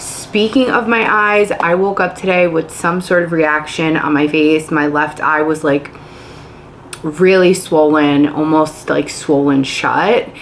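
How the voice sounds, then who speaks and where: Light background noise sits behind a woman's very deep, low voice. Her pitch variation is ordinary. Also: fairly slow pace. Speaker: beauty vlogger. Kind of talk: casual vlog chat. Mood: chatty, lightly self-mocking. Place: home room.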